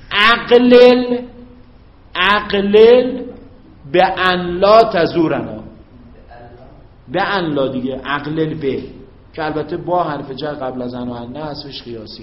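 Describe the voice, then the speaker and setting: A man teaching an Arabic grammar lesson to a class. He stretches out the example phrases slowly and keeps checking whether his students follow. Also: a little high. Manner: drawn-out recited Arabic examples, frequent check-ins with students. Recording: muffled, echoey classroom recording.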